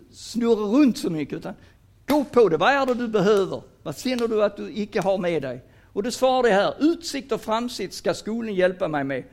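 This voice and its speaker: A retired man in his sixties from Sweden, giving a lecture on career guidance and mixing Danish words into his Swedish in an animated, playful way. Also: high-pitched. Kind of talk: lecture to an audience.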